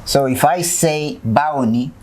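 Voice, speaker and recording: A man's voice: on the high side, slow pace, a little hiss or hum. A man from Nigeria with a Nigerian accent, interviewing a guest in casual chat and pressing eagerly with repeated questions.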